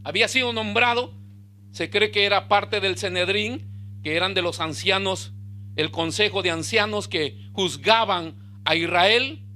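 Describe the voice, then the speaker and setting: A male pastor, preaching a sermon with bursts of emphasis and quiet low asides. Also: unhurried.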